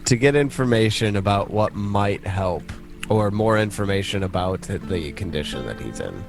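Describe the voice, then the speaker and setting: A man with a fairly low, very animated voice acts as game master of a tabletop game. He narrates casually and haltingly, joking along the way, over faint music. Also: gravelly.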